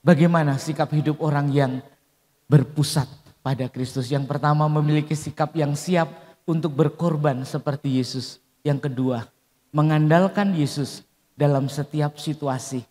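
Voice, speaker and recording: A man's voice: fairly high pitch, steady tone, moderate pace, darkish tone. A male pastor preaching a sermon in church, telling stories, acting out quotes and calling out amens to the congregation. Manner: storytelling with acted quotes, calls and amens to the congregation. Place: large church hall. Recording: long church hall reverb.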